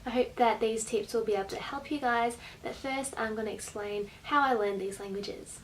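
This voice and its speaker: A woman's voice: a little high, normal speed, low-quality recording. A young woman with an Australian accent, explaining things casually to camera as a vlogger in a bedroom. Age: late teens to young adult. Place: small bedroom indoors. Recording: faint background room noise.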